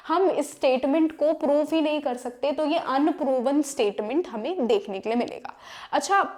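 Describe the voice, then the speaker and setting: Young woman, high-pitched, teacher, exam-prep lecture, rhetorical questions. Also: darkish tone. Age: young adult. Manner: explains with rhetorical questions, mixes in English terms.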